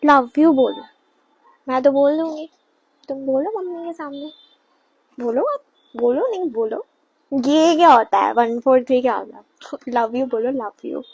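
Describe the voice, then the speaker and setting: A woman's voice: high voice, measured pace, creaky, long pauses, a little mellow, no room sound, muffled recording. A woman in a comedy skit, teasing and nagging playfully. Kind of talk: comedic role-play skit.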